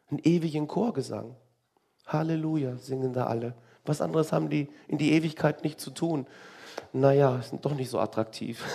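A man's voice: mid-range voice, creaky, warm tone, husky. A man preaching a sermon in a conversational, wry way, asking the listeners rhetorical questions.

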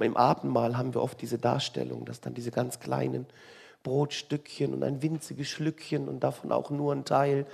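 A man's voice: medium pitch, creaky, warm tone, breathy edge. A man preaching a sermon in a conversational, wry way, asking the listeners rhetorical questions.

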